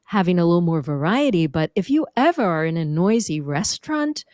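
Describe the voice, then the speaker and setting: A woman from New York, a speaking and vocal coach, chatting as a guest on a podcast with an expressive, lively teaching manner. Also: lowish voice, brisk, no room sound, clean studio sound. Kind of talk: conversational podcast interview.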